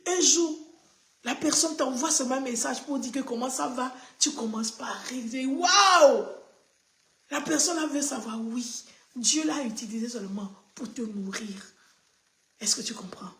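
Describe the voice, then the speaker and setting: A woman pastor preaching a personal sermon, moving from hushed confiding to excited high exclamations and repeating phrases for emphasis. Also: normal speed. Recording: echoey room.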